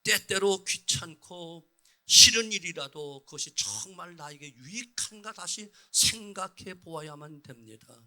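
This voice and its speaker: A middle-aged man, a senior pastor, preaching a sermon in church, moving between quiet low asides and loud, urgent appeals to the congregation. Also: measured pace. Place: church sanctuary.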